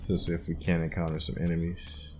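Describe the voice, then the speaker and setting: A man's voice: deep voice, little pitch movement, brisk, background noise. A man doing casual let's play commentary, musing and thinking aloud as he works through a video game. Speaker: gamer narrating a playthrough.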